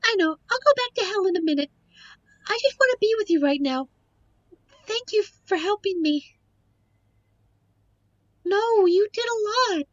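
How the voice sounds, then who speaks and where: Very high-voiced, earnest young succubus girlfriend played by a woman. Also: no room sound, highs cut off. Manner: earnest, emotional, protective. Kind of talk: audio roleplay drama acting.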